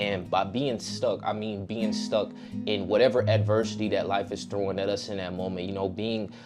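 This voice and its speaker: A man is speaking. Music plays in the background. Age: 20s. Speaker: army veteran; motivational YouTuber. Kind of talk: motivational talk to camera. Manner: casual, conversational.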